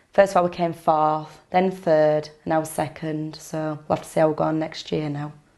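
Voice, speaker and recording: A woman speaks with a West Yorkshire accent and a fairly low pitch. Her intonation stays flat and monotone. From northern England, Bradford area. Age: 20s. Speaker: ballroom dancer and nursery nurse. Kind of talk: documentary interview.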